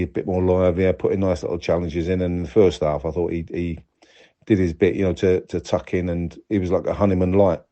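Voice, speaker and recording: A man giving a casual, unscripted football review as a fan, talking in a measured, reflective way. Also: sits low, mellow, highs cut off. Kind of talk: casual unscripted match commentary.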